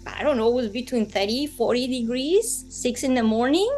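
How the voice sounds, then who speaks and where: High-voiced Colombian woman telling her story. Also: expressive, moderate pace, a little mellow. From Bogota, Colombia. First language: Spanish. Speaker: guest telling a personal story. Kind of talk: personal storytelling in an interview.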